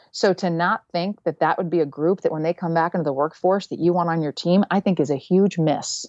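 A plain, everyday voice moves at a fairly quick pace with hardly any pauses. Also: woman, fairly low pitch for a woman. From United States, moved all over. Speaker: business executive. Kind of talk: interview.

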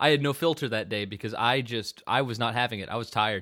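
A man with a normal speaking voice talks at a fairly quick pace with lively intonation. The recording is very clean and the background silent. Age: 20s. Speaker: voice actor. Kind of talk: casual chat.

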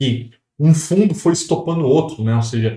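At a moderate pace, a man with a dark, mellow, somewhat breathy voice speaks with lively intonation. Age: 30s. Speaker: finance podcaster. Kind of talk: educational monologue. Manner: casual, frequent filler tags.

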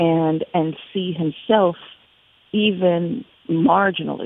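Pitch variation here is ordinary. The delivery is a normal speaking voice. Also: woman. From Jamaica, raised in New York City. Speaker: museum director. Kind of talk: interview. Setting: phone call.

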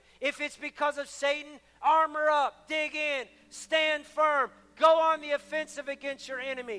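A man projects a raised voice at an extremely high pitch, bright and sharp in tone, with monotone, flat intonation. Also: moderate pace. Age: 40s. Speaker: pastor. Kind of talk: sermon.

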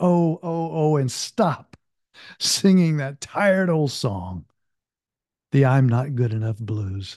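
A man speaks in a gentle, soothing tone with lively intonation. The sound is dry and close with no echo, against a quiet background. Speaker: poet and podcast host. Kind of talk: poetry reading, read aloud as a warm, intimate address to listeners. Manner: slow, tender and deliberate, repeating phrases twice for emphasis; gentle, soothing, reassuring.

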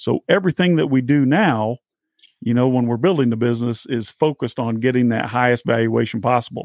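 A man talks at a fairly quick pace in a normal speaking voice of medium pitch. His pitch varies in an ordinary way, and the sound is dry and close, with no echo. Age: 30s. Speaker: podcast host. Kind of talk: casual interview.

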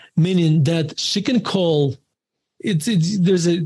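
Speaking with a Russian accent, a man moves at a fairly slow pace with ordinary pitch variation. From Soviet Russia. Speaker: author. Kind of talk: interview. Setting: call.

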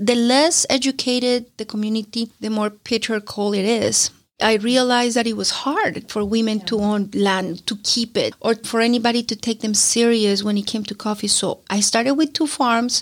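Spoken in a Spanish accent at a moderate pace, the speech has fairly even intonation and hardly any pauses. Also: woman, fairly high pitch for a woman. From Colombia. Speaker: coffee business owner. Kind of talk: interview testimony.

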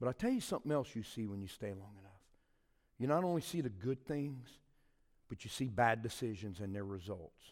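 Speaking with a Southern US accent at a fairly quick pace, a man at medium pitch uses lively intonation, big swings in loudness and long, frequent pauses. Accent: Southern American. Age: 50s. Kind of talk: sermon. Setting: church.

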